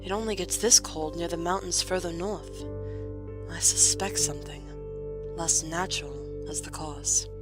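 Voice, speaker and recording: A woman playing a composed, gently teasing young noblewoman in a fan audio drama, with formal and dryly playful wording. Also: lowish voice, unhurried, natural voice. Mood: pensive, serious. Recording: music playing behind. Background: music.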